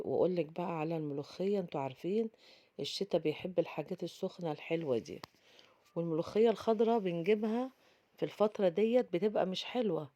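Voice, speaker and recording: A woman's voice: lowish voice, dark tone. A woman with an Egyptian Arabic accent hosting a casual cooking tutorial, chatty and talking straight to her viewers with lots of fillers. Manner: chatty, addresses viewers directly, frequent fillers. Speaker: cooking channel host.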